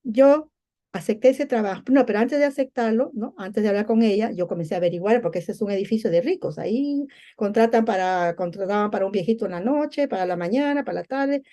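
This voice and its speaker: A middle-aged woman from Venezuela tells her personal faith testimony to a church audience. Her voice is mellow and warm, and she tells it with feeling, slipping into the voices of remembered conversations. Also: medium pitch, brisk. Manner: heartfelt storytelling, acting out remembered conversations. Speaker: church member giving a testimony.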